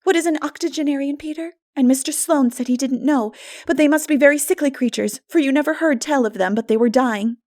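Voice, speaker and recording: Woman putting on a high, melodramatic teenage girl. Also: brisk, a little mellow, close to an everyday voice. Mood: chatty. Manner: breathless, exclamatory, dramatic. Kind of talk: dramatic audiobook character voice.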